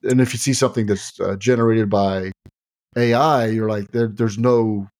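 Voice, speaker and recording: A man's voice: lowish voice, steady tone, normal speed, darkish tone. A man hosting an informal interview, talking in a loose, rambling conversational way. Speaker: interview host. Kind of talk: casual chat.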